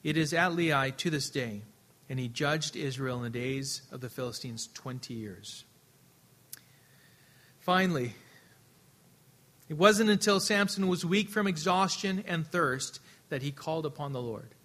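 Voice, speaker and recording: A man preaching a sermon earnestly, his voice swelling louder and then dropping soft, often repeating words as he restarts. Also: on the high side, lively intonation, measured pace, pauses often. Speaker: pastor.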